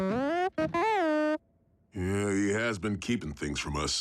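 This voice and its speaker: In a cartoonish character voice, a man speaks at a very slow pace. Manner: blunt, casual.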